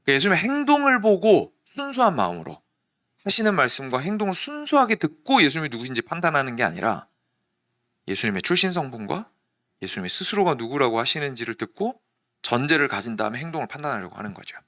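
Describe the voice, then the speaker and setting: A male pastor, possibly with a Busan accent, preaching an early-morning sermon and acting out quoted questions in a sharp voice. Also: fairly high pitch, sing-song, quick pace. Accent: Busan Korean.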